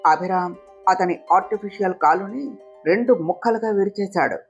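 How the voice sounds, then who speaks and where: A woman narrating a dramatic story in a steady storytelling voice. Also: medium pitch, breathy edge. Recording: slightly dull recording, soft guitar music.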